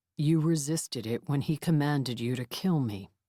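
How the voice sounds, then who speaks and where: Pitched low-to-middle, a put-on character voice moves at a moderate pace. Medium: read story. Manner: formal, stiff phrasing.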